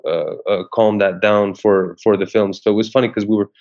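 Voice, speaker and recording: In a muffled, lo-fi interview recording, an actor from Syria talks fairly quickly with a fairly low, steady and slightly mellow voice. His speech is hesitant, full of false starts.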